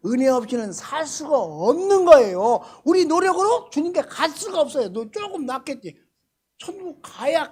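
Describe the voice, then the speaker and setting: An older pastor preaches in a husky voice whose pitch leaps up and down with feeling. He moves between loud, emphatic exclamations and quiet asides. He keeps pressing the congregation with rhetorical questions. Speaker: senior pastor. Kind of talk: sermon. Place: church during a Friday service.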